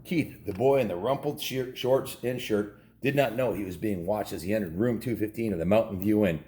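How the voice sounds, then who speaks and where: Low-voiced American man reading to kids. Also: a little fast, warm tone, a little hiss or hum. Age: 50s. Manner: informal, jokey asides. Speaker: children's book reader and host. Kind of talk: casual read-aloud with asides to viewers.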